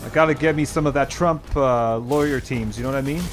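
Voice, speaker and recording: A man's voice: mid-range voice, brisk, a little hiss or hum. A young man with an American-influenced English accent, half French and half Danish, chatting casually with his live chat while he plays, rambling and joking. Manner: rambling, restarts words, playful banter. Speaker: streamer.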